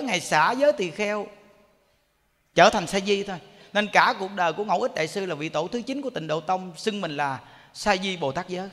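Monk w preaching, high bright voice, long echo in the hall. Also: male voice. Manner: lively storytelling, often asks the audience questions. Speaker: Buddhist monk teaching. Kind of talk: sermon. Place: temple hall. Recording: echoey hall.

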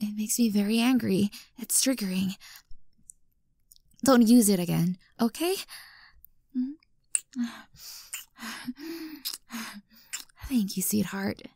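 A woman's voice: mid-range voice, dark tone, dry recording, clean studio sound. A woman playing an obsessive, unstable young stalker girlfriend in an intimate ASMR roleplay, sweet and menacing by turns. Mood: apologetic. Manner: breathy whispers, halting, swinging from coaxing to outbursts. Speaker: voice actor in audio roleplay.

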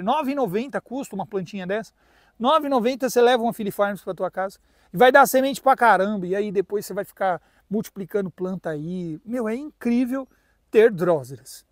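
A man's voice: high voice, dry recording. A man with a Brazilian Portuguese accent chatting playfully in a casual vlog, recorded outdoors in a garden by a pool on a phone's built-in mic. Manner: chatty and playful, mispronounces words on purpose. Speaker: carnivorous plant grower and channel host. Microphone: phone built-in mic, no external mic.

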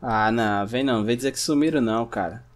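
Chatty Brazilian gamer talking to himself. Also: male voice, medium pitch, quick pace. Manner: chatty, talks to himself and the audience, bursts into shouts at scares. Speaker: gameplay streamer. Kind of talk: casual gameplay commentary.

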